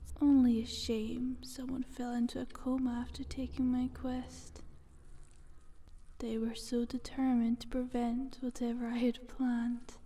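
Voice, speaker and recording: A sly, condescending eldritch monster, acted by a woman speaks in a very dark, velvety female voice with a crackle of fry. She drifts slowly between soft speech and breathy whisper. The tone is teasing and taunting, in an intimate ASMR roleplay style. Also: a little high, monotone. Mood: sly, amused.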